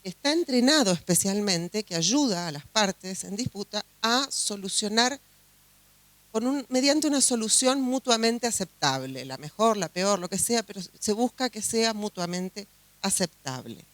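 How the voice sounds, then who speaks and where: A woman's voice: mid-range voice, lively intonation, unhurried, no echo. A woman from Uruguay with a Uruguayan Spanish accent, a judge giving a chatty conference talk full of fillers and restarts. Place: conference hall.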